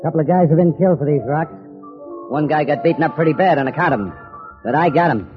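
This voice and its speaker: A man's voice: on the high side, fast talker, lightly acted. An actor playing a cocky gangster thief who talks in tough-guy slang, in 1940s radio-drama style. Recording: dull old radio recording with music.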